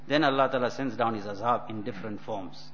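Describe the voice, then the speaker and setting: A man's voice: lowish voice, a bit bright. Muslim preacher guy, stern lecturing, dull lo-fi audio w/ faint noise. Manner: admonishing, deliberate phrasing with repeated points. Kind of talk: religious lecture explaining a text.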